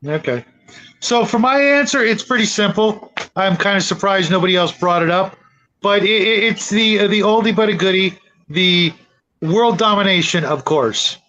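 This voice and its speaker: A man's voice: high voice, normal speed, pushed and bright, rough recording. A man hosting a casual online panel discussion, chatting informally with the other guests. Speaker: host of online roleplaying panel.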